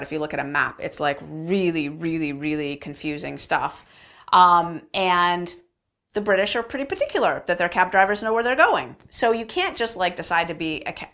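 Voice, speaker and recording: A woman's voice: low-pitched, fairly bright tone. A woman talking casually and explaining things as a vlog host, with emphatic conversational delivery, recorded in an echoey, bare unfinished room. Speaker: vlog host answering viewer questions. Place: unfinished basement room with cinder blocks and subflooring.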